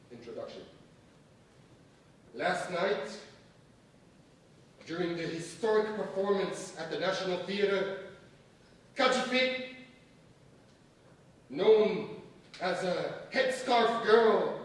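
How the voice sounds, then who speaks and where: An actor in a staged reading playing a grandiose, theatrical coup leader, dictating with deliberate, dramatic emphasis. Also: male voice, sits high, a bit bright. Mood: declamatory. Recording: echoey stage from far off, faint noise.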